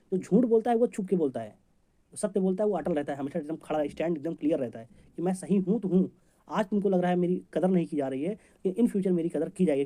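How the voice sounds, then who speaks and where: Fast-talking male exam teacher. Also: a little high, mellow. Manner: rapid, chatty, jokey teaching with homely examples. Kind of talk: memory-trick lesson for competitive exams.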